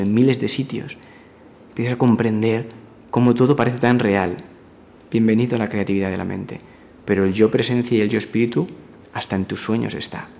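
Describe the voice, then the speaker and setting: Calm gravelly man teaching spirituality. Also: medium pitch. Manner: calm, repetitive, affirming. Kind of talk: spiritual talk.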